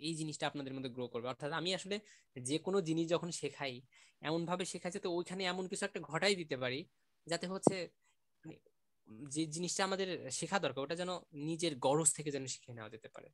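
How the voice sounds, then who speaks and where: A man teaching an online class, gently praising students and repeating sounds to demonstrate them. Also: on the high side, fast.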